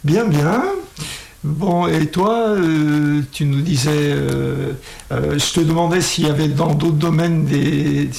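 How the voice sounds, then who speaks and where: Gravelly man hosting a casual interview. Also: fairly high pitch, fairly even intonation, takes it slowly, darkish tone. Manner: hesitant, restarts, frequent fillers, friendly questioning. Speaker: host interviewing students. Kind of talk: casual radio-style interview.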